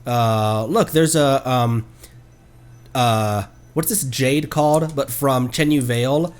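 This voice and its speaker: A man livestreaming a game with casual commentary, thinking aloud in a halting way. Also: medium pitch.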